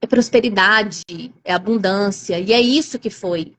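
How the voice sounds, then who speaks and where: A woman's voice: medium pitch, a little slow, fairly bright tone. A woman with a Brazilian accent talking animatedly in a live-stream conversation, acting out quoted voices as she explains. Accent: Brazilian Portuguese. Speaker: guest speaker. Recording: faint background noise.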